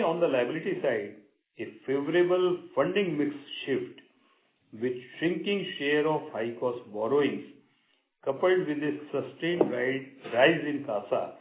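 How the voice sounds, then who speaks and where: A man with an Indian accent reads formal prepared remarks as a bank executive on an earnings conference call, in measured short phrases. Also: medium pitch. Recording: roomy, narrow phone-line sound.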